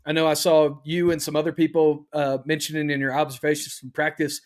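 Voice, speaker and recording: A man co-hosting a casual sports podcast, talking in a measured, agreeable way. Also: on the high side, level tone. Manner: measured, agreeable, many "uh" fillers.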